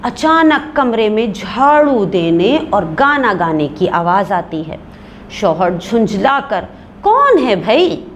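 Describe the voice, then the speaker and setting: Slow, lively-voiced woman teacher. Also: mid-range voice, slight background noise. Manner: explaining, checking understanding. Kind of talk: reading a play aloud in a class.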